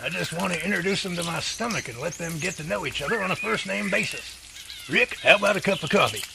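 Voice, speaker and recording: A man's voice: sits high, lively intonation, fast, gravelly. A man playing a folksy, jovial, long-winded Bigfoot research professor in an audio drama. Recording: heavy outdoor nature noise behind voice.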